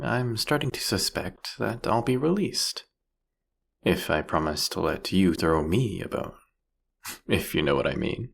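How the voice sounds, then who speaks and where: A man playing a captured vampire king in an audio roleplay, sardonic and silkily menacing, with a husky, gravelly voice and theatrical, taunting phrasing. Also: low-pitched, exaggerated voice. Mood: teasing, amused. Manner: theatrical, mocking, drawn-out, teasing phrasing. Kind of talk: scripted audio roleplay monologue addressed to the listener.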